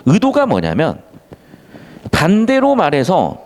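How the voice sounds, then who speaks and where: A man tutoring students in an exam-prep lecture, animated, mixing casual and polite speech and acting out example lines. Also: on the high side, slow, big-room sound. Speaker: Korean literature tutor.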